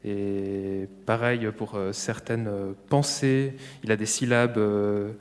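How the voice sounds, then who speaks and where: A man passes on questions from the audience in a lecture hall, halting and filling pauses as he goes. He speaks slowly in a lowish voice, with the hall's long reverb behind him. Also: fairly even intonation. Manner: halting, many fillers. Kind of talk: relaying questions at a public lecture.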